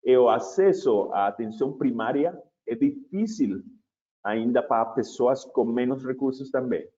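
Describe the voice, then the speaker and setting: A man opening and presenting a webinar in a measured, deliberate way, with occasional restarts. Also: medium pitch, warm tone, highs cut off.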